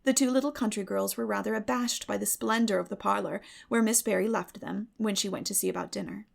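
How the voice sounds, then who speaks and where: Creaky-voiced woman narrating a story. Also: medium pitch, fairly even intonation, a little fast. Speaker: audiobook narrator. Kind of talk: scripted dramatic story narration.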